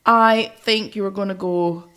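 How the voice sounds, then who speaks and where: A woman's voice: medium pitch, steady tone, measured pace, a bit bright, smooth. A woman co-hosting a music podcast, chatting and reviewing in a blunt, teasing way with some swearing. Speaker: podcast co-host.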